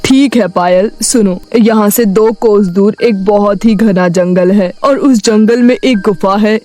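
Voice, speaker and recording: A woman voicing a wise, solemn male magical tree in a cartoon story, explaining earnestly and deliberately. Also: mid-range voice, darkish tone, close to an everyday voice. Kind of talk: cartoon moral story voice acting.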